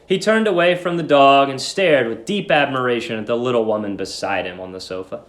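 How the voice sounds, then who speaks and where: A man's voice: medium pitch, brisk, fairly bright tone. A man speaking as a teacher, reading a story aloud and explaining it informally.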